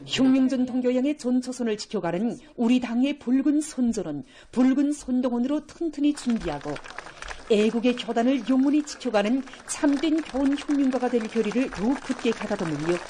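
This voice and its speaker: A woman's voice: a little high, lively intonation, fairly quick, warm tone. A woman announcer with a North Korean accent reading scripted news in a formal, solemn declamatory manner. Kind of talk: scripted broadcast news narration.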